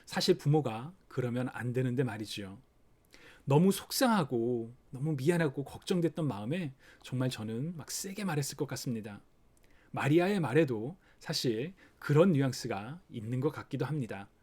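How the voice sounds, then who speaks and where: A man preaching a sermon for an online service, explaining a scripture passage gently and acting out the worried thoughts of parents. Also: medium pitch, lively intonation, normal speed. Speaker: pastor. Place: online worship recording.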